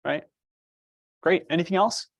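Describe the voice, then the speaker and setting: A man presenting to a room of agents, his voice quiet and a little high. He often pauses to ask the audience questions, recorded dry and close. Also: no echo, dull audio. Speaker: trainer. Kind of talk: workshop presentation.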